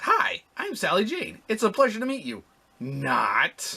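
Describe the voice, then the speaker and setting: A put-on character voice talks at a fairly slow pace. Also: man, extremely high pitch for a man. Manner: sarcastic, sassy.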